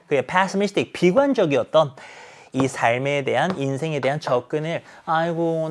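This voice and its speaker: A man teaching an English exam lesson, animated, acting out characters' lines and asking rhetorical questions. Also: on the high side. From South Korea. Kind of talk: exam explanation lecture.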